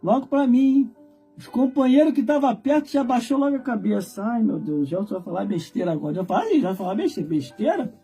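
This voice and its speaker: Brief: a fervent Brazilian preacher with a high voice, telling a story to the congregation over faint music. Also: male voice, animated, brisk, dark tone, slightly rough. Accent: Brazilian Portuguese. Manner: fervent, theatrical, addresses listeners as brother. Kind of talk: storytelling sermon.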